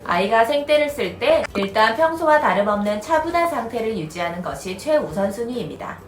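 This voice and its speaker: A woman in her thirties calmly explaining parenting advice as the host of an educational video. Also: fairly high pitch, fairly quick, slight background noise. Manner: calm, even, instructive. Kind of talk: scripted explanatory narration. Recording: roomy echoey recording.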